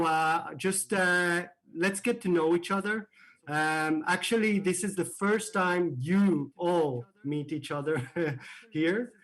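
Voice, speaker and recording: A man's voice: a little high, fairly bright tone. Man hosting a hesitant video-call welcome. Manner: hesitant, many fillers and restarts. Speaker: program host.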